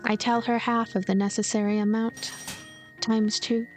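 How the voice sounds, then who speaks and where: Casting: woman playing manipulative loner girl, game narrator, detached and coaxing, higher-pitched. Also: little pitch movement, moderate pace, darkish tone, faint music behind, close to an everyday voice. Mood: detached, calculating. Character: lonely, cynical, manipulative girl ghost narrating her schemes. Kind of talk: narration of a visual novel.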